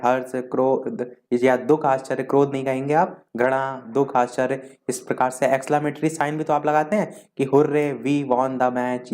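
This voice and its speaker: A male teacher giving an exam revision lesson, explaining step by step and listing terms one by one, slowing down to read out definitions. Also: medium pitch, a little mellow. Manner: slows down to read out English definitions.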